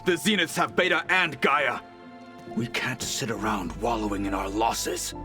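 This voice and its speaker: A man playing a stern, stoic tribal warrior in a video game, with a grave and deliberate delivery. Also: medium pitch, over music, lightly acted. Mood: grim, urgent. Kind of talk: cinematic video game voice acting.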